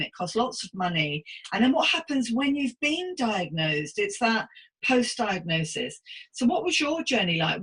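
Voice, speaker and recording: A woman's voice: medium pitch, a bit bright, breathy edge, rough recording. A woman hosting a conversational podcast interview in an earnest, empathetic manner. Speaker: podcast host interviewing a guest.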